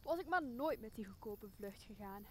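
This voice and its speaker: Woman acting a high-voiced, despairing, snappish ruler. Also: lively intonation, normal speed, darkish tone, slight background noise, lightly acted. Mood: despairing, irritable. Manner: plaintive, snappish. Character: despairing, irritable grieving ruler. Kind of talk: Dutch audio drama acting of Shakespeare.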